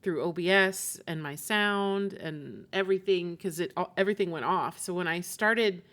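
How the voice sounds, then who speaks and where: Bright-voiced woman streamer chatting casually. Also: on the low side, moderate pace. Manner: chatty, often laughs while talking. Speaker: game streamer. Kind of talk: casual live-stream chat.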